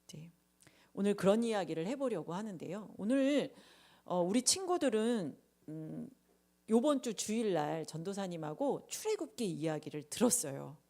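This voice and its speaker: A woman's voice: mid-range voice, sing-song, normal speed, a little mellow. A woman preaching to children in a casual storytelling way, acting out quotes and asking the kids questions. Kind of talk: sermon to children.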